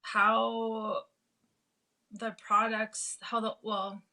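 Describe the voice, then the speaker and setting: A woman's voice: a little high, flat delivery, extremely slow, pushed and bright, low-quality recording. A nervous woman as a guest on a live chat, hesitant and full of restarts. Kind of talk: casual chat.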